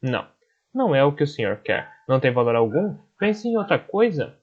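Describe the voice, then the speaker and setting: A mysterious gentleman answers in a lifted, startled voice and dodges the request, as a male narrator puts him on. His delivery is brisk and evasive. The audio is dull and lo-fi. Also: fairly high pitch, sing-song, husky, voice pushed up.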